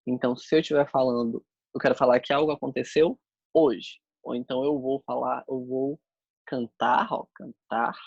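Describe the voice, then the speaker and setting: A man's voice: mid-range voice, steady tone, normal speed, creaky, darkish tone, husky, no echo, muffled recording. A man teaching a sign language class, explaining step by step as he demonstrates the signs.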